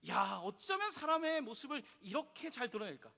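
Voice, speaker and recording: A man's voice: extremely high pitch, sing-song, normal speed, creaky, pushed and bright. A man preaching a sermon as pastor, telling the story vividly and leading the congregation in reading. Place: church sanctuary. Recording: long reverb in a church hall.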